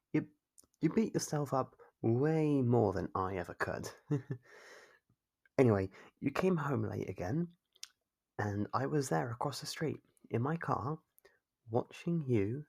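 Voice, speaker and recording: In a heavily exaggerated character voice with a darkish tone, the voice actor portrays a possessive, smug captor from an ASMR stalker roleplay. Husky and gravelly at a middling pitch, he coaxes and scolds like a doting owner, stretching out teasing small questions.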